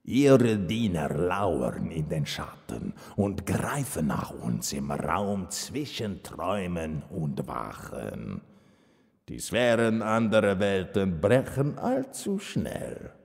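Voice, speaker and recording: An actor playing an ominous narrator who warns of ancient gods in a dramatic horror audio drama prologue, with a gravelly voice. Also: male voice, deep voice, huge pitch swings, slow, a little mellow, exaggerated voice. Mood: ominous, foreboding. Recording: long cavernous reverb.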